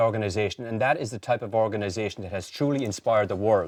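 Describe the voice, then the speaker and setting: Speaking very fast, a man uses an Irish accent. His pitch is medium with ordinary pitch variation. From Ireland. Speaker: charity founder. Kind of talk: interview.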